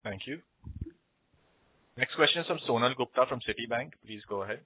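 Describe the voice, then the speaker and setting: A man's voice: mid-range voice, fairly quick, breathy edge, no room sound. A man, a conference call moderator announcing the next questioner formally. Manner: brief, formal. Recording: dry phone-line conference call audio.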